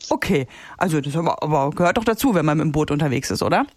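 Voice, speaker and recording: A woman's voice: deep voice, lively intonation, rapid-fire, a little mellow, no echo. A woman hosting a morning radio show, chatting cheerfully with a caller from the studio. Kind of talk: casual radio phone chat.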